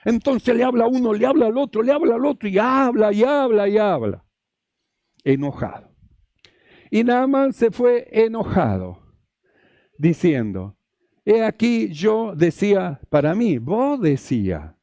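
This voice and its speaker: A man's voice: high voice, sing-song, measured pace, darkish tone, no echo, muffled recording. A male pastor, preaching a sermon, repeating phrases and asking the congregation rhetorical questions.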